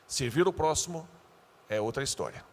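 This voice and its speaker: A male pastor giving a youth sermon, animated and joking, acting out the scenes he tells. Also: mid-range voice, normal speed, long reverb tail.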